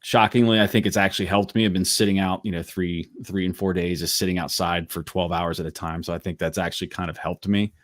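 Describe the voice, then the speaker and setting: Very deep-voiced man in his forties. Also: level tone, fast, hardly any pauses, no room sound, studio quality. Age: 40s. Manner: chatty, rambling with many restarts. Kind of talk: casual chat.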